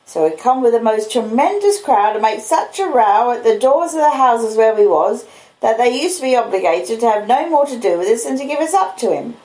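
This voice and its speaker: Woman voicing an earnest rustic blacksmith, raised lilting pitch. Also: expressive, fairly quick, darkish tone, echoey room, close to an everyday voice, low-quality recording. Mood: earnest, reflective. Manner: rustic dialect, earnest, meandering storytelling. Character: simple, kindly uneducated adult male blacksmith, earnest and rambling.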